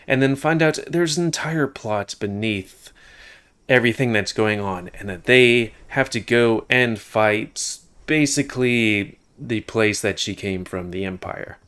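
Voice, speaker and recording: A man's voice: on the low side, a little slow, fairly bright tone, clean tone. A man giving casual, rambling and crude commentary while playing a video game. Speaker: gaming YouTuber. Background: game music.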